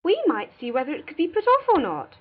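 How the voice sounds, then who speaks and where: Nosy, swooping high-voiced matron. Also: female voice, wildly swooping pitch, a little fast, narrow, tinny audio. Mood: excited, insistent. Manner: insistent, exclamatory, prying. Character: nosy, jovial, teasing older English matron. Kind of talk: dramatised classic novel reading.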